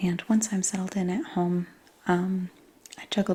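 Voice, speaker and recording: A soft-spoken woman with an American accent talks at a medium pitch and fairly even intonation. There is noticeable background noise. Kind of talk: ASMR skin care talk to camera.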